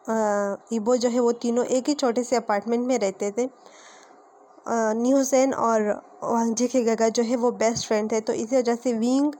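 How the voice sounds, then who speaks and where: A woman narrates a fan fiction story in a relaxed, conversational way, stopping for fillers and fixing her own slips. Her voice sits a little high yet sounds soft and mellow.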